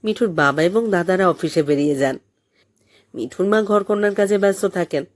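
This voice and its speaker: A woman reading a story as an audiobook narrator, in an expressive scripted style. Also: fairly low pitch, normal speed.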